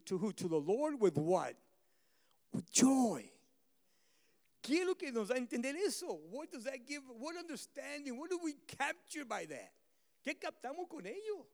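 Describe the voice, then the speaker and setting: A male pastor preaching a bilingual sermon, repeating each line in a second language and building to fervent shouts. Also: high-pitched, long reverb tail. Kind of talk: bilingual sermon, switching between phrases.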